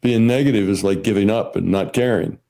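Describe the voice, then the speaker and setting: A man's voice: lowish voice, a little fast, gravelly, dark tone. A man giving an explanatory talk in a plain, didactic manner. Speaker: speaker in a played clip.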